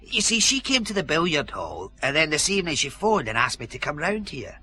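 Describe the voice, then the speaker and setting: A man's voice: a little high, sing-song, brisk, sharp tone, slightly rough, full character voice. An actor with a Scottish accent playing a wheedling older ex-housebreaker who loves his whisky, cheeky and chuckling, in a radio drama. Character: wily old Glasgow ex-burglar, fond of whisky. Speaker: dead woman's uncle, ex-housebreaker.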